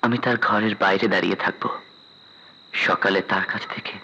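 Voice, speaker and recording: An actor playing a lovesick young prince in a film drama, speaking slowly and solemnly. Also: male voice, deep voice, steady tone, bright, forceful tone, lo-fi sound, a little hiss or hum. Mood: pleading.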